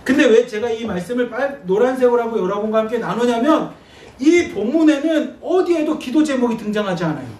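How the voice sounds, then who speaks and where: A male pastor giving a sermon and reading scripture, talking in a conversational, animated way. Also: extremely high pitch, a little fast. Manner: conversational, animated preaching with acted-out asides. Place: church sanctuary. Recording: echoey church, distant mic, faint noise.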